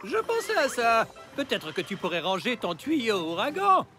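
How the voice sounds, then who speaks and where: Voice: medium pitch, wildly swooping pitch, normal speed. An actor playing a chatty, self-important little robot sidekick in a children's cartoon, with pompous, mock-scientific phrasing. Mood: explaining. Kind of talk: animated children's cartoon dub. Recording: music behind the voice.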